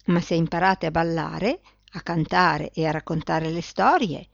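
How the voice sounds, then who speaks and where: A woman's voice: sits low, unhurried, vocal fry, no echo, lo-fi sound, full character voice. A woman reading aloud, voicing a proud, cheerful child.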